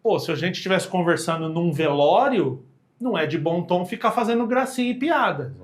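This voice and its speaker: A man's voice: sits high, lively intonation, fairly quick. A man with a Brazilian accent, a podcast guest chatting casually in a slangy way and acting out quoted lines. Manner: slangy, acts out quoted dialogue in voices. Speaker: podcast guest, communication expert.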